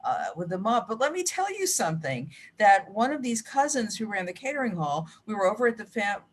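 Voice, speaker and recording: A woman's voice: mid-range voice, big pitch swings, brisk, a little hiss or hum. A middle-aged or older American woman chatting casually as an interview guest, telling stories with frequent asides. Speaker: mystery author, guest. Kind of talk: casual interview chat about writing.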